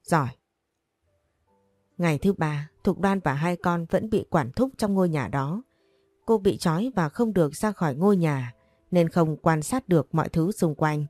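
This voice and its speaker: Low-voiced woman narrating a story. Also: moderate pace, no room sound. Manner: steady storytelling read. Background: faint music.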